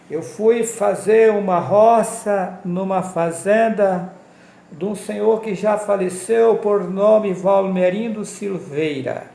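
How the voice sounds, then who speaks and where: Slow solemn man telling his life story, deliberate pace, gravelly tone. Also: high-pitched, darkish tone, reverberant. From Minas Gerais, Brazil. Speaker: testimony speaker. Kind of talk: personal life testimony.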